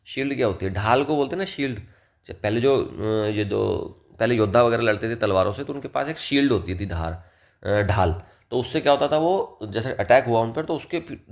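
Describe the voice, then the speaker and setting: A man teaching English vocabulary in Hindi, reading English example sentences slowly and talking directly to his students. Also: medium pitch. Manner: conversational, addresses students directly.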